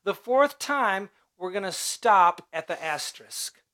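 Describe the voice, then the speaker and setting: A man with a high voice teaching a piano piece step by step, chatting casually as he calls out note names and hums the riffs. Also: lively intonation, a little slow. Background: loud piano playing.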